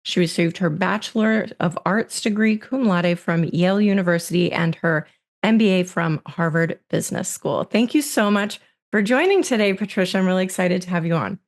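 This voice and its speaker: A woman's voice: fairly low pitch, normal speed. Upbeat woman podcast host. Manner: upbeat, reads guest bio. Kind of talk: scripted intro and interview.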